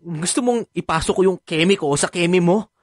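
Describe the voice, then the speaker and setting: A man's voice: high-pitched, normal speed, dry recording, clean studio sound, natural voice. An actor playing a sassy, dramatic, effeminate gay man in a radio drama, with a Filipino accent and campy, exasperated delivery. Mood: flustered, protesting.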